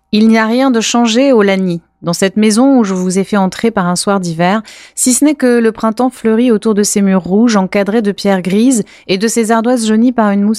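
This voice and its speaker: A woman co-hosting a library radio show, reading a classic novel aloud in a measured way with a few small slips. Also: mid-range voice, mellow, no echo, studio quality. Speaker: co-host reading a novel excerpt.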